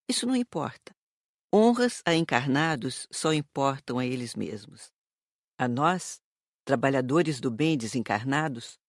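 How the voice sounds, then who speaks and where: A woman with a Brazilian accent playing a calm, didactic spirit teacher in an audiobook drama. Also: extremely low pitch, dry recording, clean studio sound, full character voice. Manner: didactic, measured.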